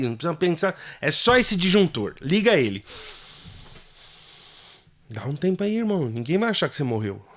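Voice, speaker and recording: A man with a Brazilian Portuguese accent, a voice health specialist, explaining in a casual podcast conversation and acting out voices as he goes. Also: medium pitch. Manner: animated, plays out voices while explaining.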